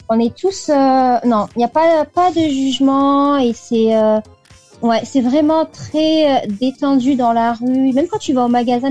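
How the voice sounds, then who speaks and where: A woman's voice: on the high side, dark tone, highs cut off. A French woman in her thirties chatting as an interview guest, with lots of fillers and restarts. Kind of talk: casual radio interview over a call.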